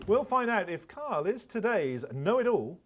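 A man's voice: high-pitched, sing-song, moderate pace, a bit bright, heavily acted. A man playing an upbeat TV quiz show host, presenting and commentating with suspense and emphatic delivery. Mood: hushed commentary. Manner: builds suspense, counts down emphatically.

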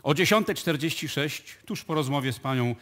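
An actor playing a bumbling junior policeman, halting as he reports, in a live radio play. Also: fairly high pitch, expressive, fairly bright tone. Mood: dutiful. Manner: halting, stumbling.

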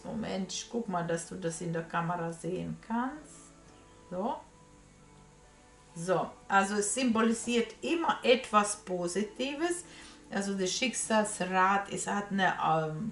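A woman giving a casual tarot reading to viewers, hesitant in phrasing and often repeating herself, recorded in a small room. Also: mid-range voice. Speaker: tarot reader. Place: small room crowded with statues and cards. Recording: roomy echo from camera distance.

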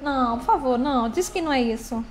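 High-voiced woman streaming. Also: fast. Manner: chatty and affectionate, calls viewers by name and pet names. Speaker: live stream host. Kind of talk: casual live-stream chat greeting viewers. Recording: roomy echo with faint background music.

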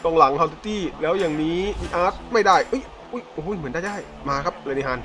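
A young man commenting on a football video game as he plays, with loud outbursts, laughter and swearing. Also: a little high. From Thailand. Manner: swings from calm play-by-play to loud shouting and laughing, swears often. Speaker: gaming YouTuber. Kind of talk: excited live game commentary. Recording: game music playing behind the voice. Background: clear game music.

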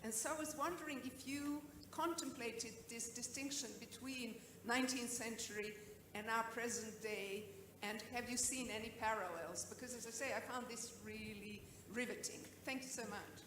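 A woman's voice: fairly high pitch, normal speed. A woman, a professor, speaking enthusiastically and articulately as she asks a question at a conference. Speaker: professor of Victorian literature asking a question. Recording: echoey room with background noise.

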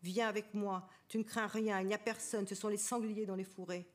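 A woman reading aloud the lines of a troubled man, the narrator's lover, in a quiet, even way. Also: medium pitch, brisk, lightly acted. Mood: earnest. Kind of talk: literary reading.

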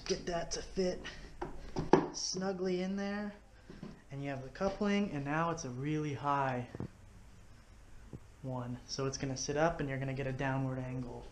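Relaxed man explaining a DIY build. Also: fairly high pitch, normal speed, very noisy. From Texas. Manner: relaxed, step-by-step explaining while working with his hands. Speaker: fishing video host. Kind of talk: casual how-to demonstration. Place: living room at home, indoors. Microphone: head-mounted action camera.

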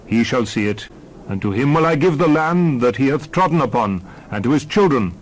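Man as slow, grave prophet Moses. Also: fairly high pitch, poor audio. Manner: deliberate, grave, oratorical. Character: Moses, a solemn male prophet addressing his people. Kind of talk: dramatized scripture reading.

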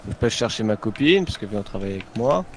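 A man chatting casually while gaming with friends, dropping dry, deadpan jokes. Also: fairly low pitch, fast, slight background noise. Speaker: guest player.

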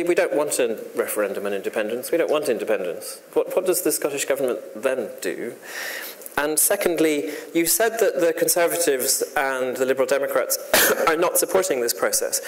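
A seminar chair keeps the questions moving in a brisk, organizing way. A long reverb trails the voice in the room. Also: mid-range voice.

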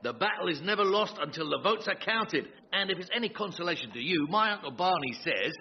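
A man's voice: high voice, animated, brisk. A man playing a shady, cheerful campaign fixer in a radio sitcom, slangy and wisecracking. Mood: brash. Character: shady, cheerful male wheeler-dealer campaign manager. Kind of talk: British radio sitcom acting. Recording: slightly dull, muffled recording.

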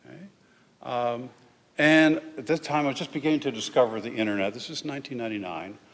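An older man giving a public history lecture in a large hall, talking informally and filling pauses with "uh" and "okay". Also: medium pitch. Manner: chatty, with frequent "uh" and "okay". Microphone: lectern microphone. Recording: reverberant hall.

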